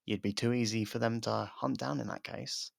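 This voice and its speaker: Casting: male actor for a sarcastic, guarded convict murderer in ASMR audio drama; very gravelly, close dry sound, needling and foul-mouthed. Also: medium pitch, steady tone, normal speed, no echo. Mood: sardonic needling.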